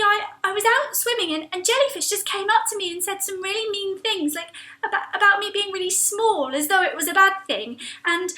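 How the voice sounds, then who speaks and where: A woman's voice: very high-pitched, bright, forceful tone, reverberant, pitched above the performer's own voice. A woman playing a small, sad little girl fish. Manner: hesitant, stammering.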